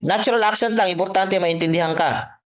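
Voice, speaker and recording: A man's voice: high voice, brisk. A man giving a private online exam-prep lesson, explaining patiently, repeating each point and checking in with his student. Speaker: test prep tutor. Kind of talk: private online tutoring session.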